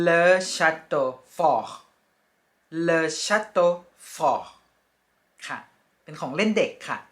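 A woman teaching French vocabulary from picture cards, speaking slowly and politely and repeating each word with care. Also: sits low. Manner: polite, ending phrases with soft particles. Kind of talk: casual lesson with picture cards.

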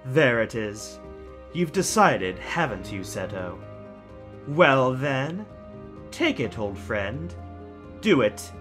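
A man's voice: medium pitch, very animated, extremely slow, pauses often, fairly bright tone, faint music behind, heavily acted. A man playing a theatrical, courteous, gloating villain in an audio drama, savoring each phrase. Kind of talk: anime fan audio drama acting.

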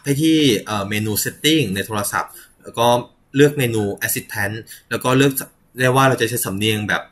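A man's voice: mid-range voice, fairly bright tone. A man hosting a casual tech news show, reading headlines and viewer comments with frequent polite particles, small slips and short laughs. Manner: reads news items with filler particles and quick laughs.

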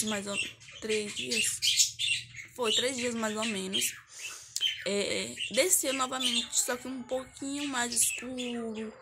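A woman's voice: fairly high pitch, heavy background noise. A woman, telling a personal story to camera in a chatty, emotional way, often repeating herself. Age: 20s. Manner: chatty, repetitive, emotional retelling. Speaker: vlogger. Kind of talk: casual confessional storytime. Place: her mother's house, indoors.

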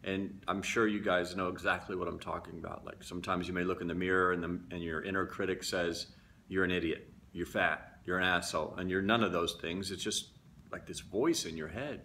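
A man speaks openly to his viewers in a casual, confessional way. His voice sits a little low but carries a forceful, bright edge. A faint hum of room noise sits behind him. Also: steady tone, brisk, vocal fry. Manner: candid, reflective, confessional. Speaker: vlogger. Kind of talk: casual talk to camera.

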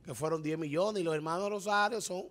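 A Dominican man in his thirties talks on a studio panel show in an animated, emphatic way, firing off rhetorical questions. His voice sits a little high, and he speaks into a desk microphone. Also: brisk. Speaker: radio show co-host. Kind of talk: casual panel commentary. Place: TV-radio studio. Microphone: studio microphone on desk stand.

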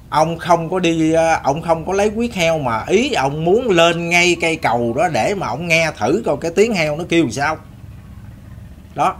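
A man narrates a story to an audience in a loose, down-home manner, his phrases often repeated or begun again. He's the host, speaking with a Southern Vietnamese accent in a slightly high, fairly bright voice, over a faint hiss or hum.

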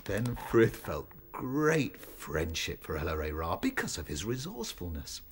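A man playing a young rabbit, an eager but timid storyteller, with a theatrical, expressive delivery in a radio play. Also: deep voice, unhurried, full character voice. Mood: rapt storytelling.

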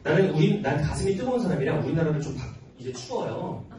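A man's voice: fairly high pitch, very animated, quick pace. A man in his early forties, a cram school teacher, answering students' questions informally in a playful but earnest manner. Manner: playful, joking, earnest, often laughing. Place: large classroom with students. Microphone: handheld microphone, filmed by tripod camera at back. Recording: roomy classroom, distant mic, noisy.

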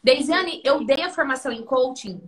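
A woman from Brazil, hosting a live stream about her coaching course and telling stories in an animated way. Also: sits high, normal speed. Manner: animated storytelling, acts out quotes. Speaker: host and coaching instructor.

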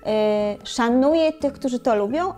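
A young woman co-hosting a casual chat, candid and expressive, on a lapel mic in a bright room. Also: fairly high pitch, unhurried. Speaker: co-host.

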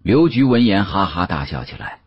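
A man narrating an audiobook in the first person, dramatic, expressive and musing. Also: low-pitched, moderate pace, slightly rough, no room sound, dull audio.

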